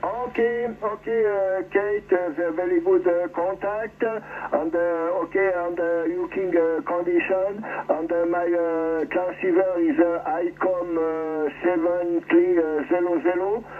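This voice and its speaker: A French man with a French accent, speaking English haltingly in fragmented phrases as a radio operator over a noisy CB link. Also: sits high, fairly even intonation. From France. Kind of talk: radio contact exchange. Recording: tinny, noisy CB radio reception. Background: radio static and hum.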